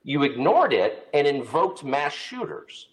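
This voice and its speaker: Indignant male guest, animated. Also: fairly high pitch, measured pace, rough recording. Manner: indignant, interrupting, cutting in. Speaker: interview guest. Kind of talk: heated broadcast interview.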